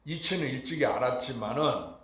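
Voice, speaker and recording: A Buddhist monk giving an emphatic Dharma talk, often asking listeners if they understood. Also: male voice, medium pitch, lively intonation, brisk, fairly bright tone. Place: temple dharma hall. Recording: echoey hall.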